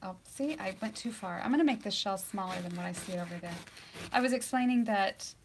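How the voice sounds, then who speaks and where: In a studio lined with lights and cameras, a woman instructor talks her way through a live painting demonstration, laughing often and sometimes softening to a near-whisper as she works. She speaks a little fast at medium pitch, with slight noise in the background.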